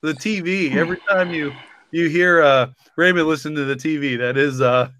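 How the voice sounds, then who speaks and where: A man's voice: a little high, moderate pace, fairly bright tone. A man hosting a casual podcast conversation and chatting with his co-hosts.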